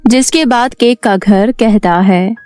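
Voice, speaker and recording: A woman reading scripted narration for an animated children's moral story. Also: fairly high pitch, takes it slowly, clear, resonant tone, no room sound. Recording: music behind the voice.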